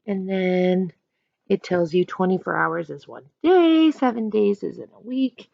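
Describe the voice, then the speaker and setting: Expressive woman teacher reading aloud. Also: mid-range voice, a little slow, vocal fry, dull audio. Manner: explains simply, addressing young listeners directly. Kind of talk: animated picture-book read-aloud with teaching asides.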